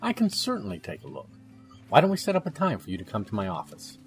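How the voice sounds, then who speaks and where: A very animated man's voice, as a jovial eye surgeon in an audio drama. His pitch leaps around as he jokes and chats genially over faint music. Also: quick pace. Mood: friendly, professional. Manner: genial, joking, chatty. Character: jovial, joking male eye surgeon, old buddy.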